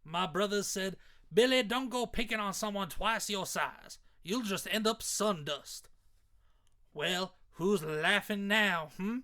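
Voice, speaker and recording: A man's voice: high-pitched, slow pace, sharp tone, pitched above the performer's own voice, heavily acted. A man voicing a cocky half-vampire, half-werewolf redneck villain with a put-on Southern accent, taunting as he reads a comic book aloud. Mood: gloating. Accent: put-on American South. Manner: taunting, drawling threats.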